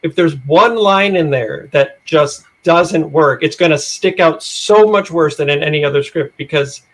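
A man with a fairly high voice for a male speaker talks as a podcast guest. He explains a writer's craft in an informal, conversational way. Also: measured pace, a bit bright. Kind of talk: casual explanatory talk.

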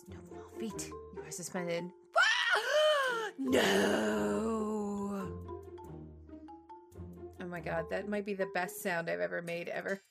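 A woman's voice: on the low side, level tone, a little fast, gravelly, few pauses, music in the background. A woman voice actress recording lines into a studio microphone, playful and self-mocking as she chats between takes. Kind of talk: voice recording session outtakes.

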